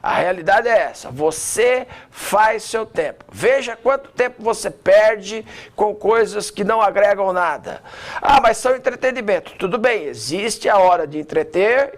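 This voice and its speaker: Animated man teaching public speaking. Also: high voice. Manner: animated, varies pace and loudness to demonstrate; addresses the viewer directly with quick rhetorical objections. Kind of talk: online lesson on public speaking.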